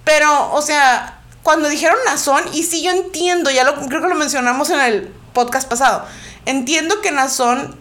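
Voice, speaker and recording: High-voiced woman chatting. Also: moderate pace, a bit bright. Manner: rambling, many fillers and restarts, emphatic. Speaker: podcast co-host. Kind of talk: casual podcast chat.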